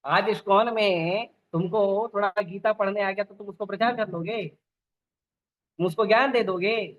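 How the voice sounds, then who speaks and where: A man's voice: high-pitched, fairly even intonation, moderate pace, fairly bright tone, lo-fi sound. A man giving a lecture on scripture, asking the audience rhetorical questions and repeating lists of examples. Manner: repetitive listing. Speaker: preacher. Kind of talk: Gita lecture.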